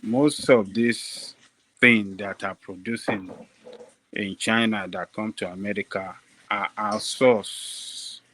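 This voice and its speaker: A man making a point in a group debate, speaking haltingly with many fillers. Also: fairly low pitch, fairly even intonation, fairly bright tone, a little hiss or hum, poor audio. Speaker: panelist.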